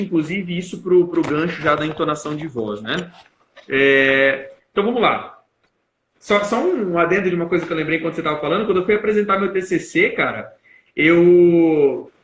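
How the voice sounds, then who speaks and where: Young brazilian guy on a live stream teaching public speaking, bright kinda high voice, echoey room. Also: slight background noise. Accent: Brazilian Portuguese. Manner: explanatory, plays with emphasis and loudness to demonstrate.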